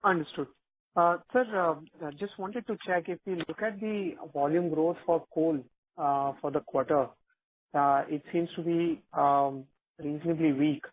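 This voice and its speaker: A man's voice: a little high, unhurried, slight background noise. A man, an analyst, asking polite, hesitant questions on an earnings call. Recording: tinny conference phone line.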